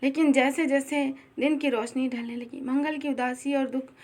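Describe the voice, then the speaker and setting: High-voiced woman reading a story. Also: moderate pace. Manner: steady, expressive storytelling. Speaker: story narrator. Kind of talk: reading a classic short story aloud.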